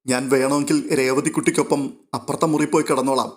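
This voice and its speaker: Storybook figure: man reading tender young woman, soft and subdued, near his own voice. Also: mid-range voice, fairly even intonation, fast talker, natural voice. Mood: tearful.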